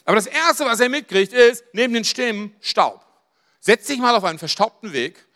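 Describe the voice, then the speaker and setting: Male preacher, high bright voice, dramatic sermon delivery that swings between loud and hushed. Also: lively intonation, normal speed. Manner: dramatic, rising to near-shouts on emphasized phrases and dropping low for asides.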